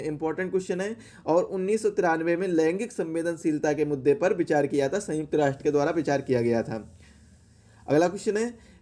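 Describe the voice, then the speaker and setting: A man's voice: a little high, mellow. A man teaching an exam question-and-answer lesson in a didactic way, repeating key phrases for emphasis.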